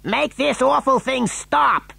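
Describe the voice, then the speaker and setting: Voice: medium pitch, very animated, very slow, creaky, bright, forceful tone, no room sound, pitched above the performer's own voice, heavily acted. A reader acting an alarmed, complaining storybook father. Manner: emphatic, exclamatory grumbling. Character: gruff, alarmed, complaining middle-aged father.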